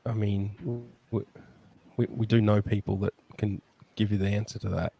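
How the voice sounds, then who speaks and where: A man's voice: lowish voice, little pitch movement, normal speed, gravelly, dark tone, breathy edge. A man co-hosting a comedy podcast, teasing dryly and restarting his sentences. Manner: dry teasing, hesitant restarts. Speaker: podcast co-host. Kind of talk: casual comedy chat.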